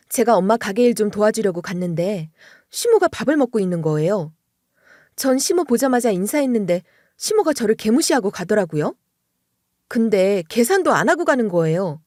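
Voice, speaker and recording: A woman's voice: medium pitch, warm tone, dry recording, clean studio sound. A woman narrating a true-life family story in the first person, in a conversational, confiding way.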